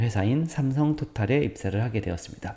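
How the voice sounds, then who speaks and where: On a very clean recording with a silent background, a man speaks at a moderate pace in a dark, mellow tone with ordinary pitch variation. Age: 40s. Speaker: engineer and YouTuber. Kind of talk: personal vlog monologue.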